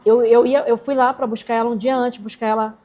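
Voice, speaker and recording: Animated woman. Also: fairly high pitch, a little fast. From Rocinha, Rio de Janeiro, Brazil. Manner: animated, acts out quoted voices. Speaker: interview guest, entrepreneur and singer. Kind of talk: emotional personal storytelling.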